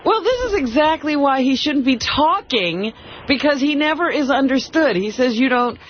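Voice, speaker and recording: A woman's voice: sits high, animated, normal speed. A woman co-hosting a casual comedic radio show, bantering along with the others. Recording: dull lo-fi radio recording with clear noise.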